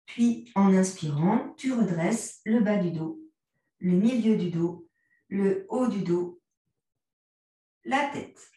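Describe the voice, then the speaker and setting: Woman, French accent, yoga teacher, slow unhurried cues, mellow tone, very echoey room, distant from the mic. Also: mid-range voice. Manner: calm, gentle cues, mixes vous and tu. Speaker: yoga instructor. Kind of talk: guided yoga class instruction.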